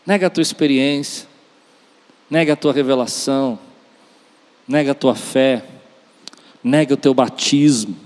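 A male preacher with a fairly high voice gives a charismatic sermon in a hall with long reverb. He addresses his listeners directly and intimately, leans on repeated phrases for emphasis, and acts out bits of dialogue. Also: a little mellow. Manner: emphatic, with repetition and acted-out dialogue.

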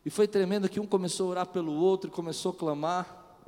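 A man preaching a sermon as pastor, moving from quiet storytelling to loud, shouted preaching. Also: high-pitched, steady tone, fast, long reverb tail. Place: church.

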